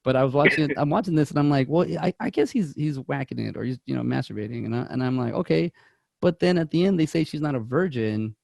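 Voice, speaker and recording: Chatting about movies as a podcast co-host, a man of Mexican heritage talks fast and animatedly, rambling with frequent laughs and stumbling restarts. His medium-pitched voice is gravelly yet a little mellow, and the recording has no room sound.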